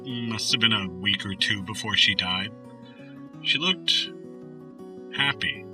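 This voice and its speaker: Guarded shopkeeper, deep pitch, matter-of-fact, slightly off-mic, audio drama. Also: male voice, takes it slowly, recorded from a distance, music in the background. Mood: guarded, wistful. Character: guarded male convenience store owner being questioned.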